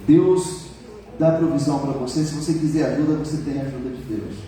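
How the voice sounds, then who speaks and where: A man's voice: medium pitch, fairly even intonation, fairly quick, warm tone. A Brazilian man preaching a sermon as pastor, colloquial and joking, building to emphatic exhortation. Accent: Brazilian Portuguese. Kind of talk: sermon with personal testimony. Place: church hall. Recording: echoey church hall from far off.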